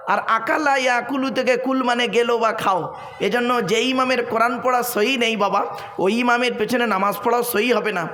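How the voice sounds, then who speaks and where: A man's voice: very high-pitched, fairly bright tone. A man preaching a sermon at a large religious gathering, quizzing the crowd with questions and laughing often in a playful, teasing way. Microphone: stage microphone. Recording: echoey open-air PA sound.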